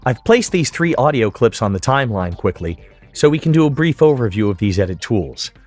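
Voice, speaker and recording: A man giving scripted, methodical step-by-step instruction as a software tutorial narrator. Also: mid-range voice, sing-song, fairly quick, soft background music. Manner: clear, methodical, step-by-step explanation. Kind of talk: scripted instructional narration over screen demo.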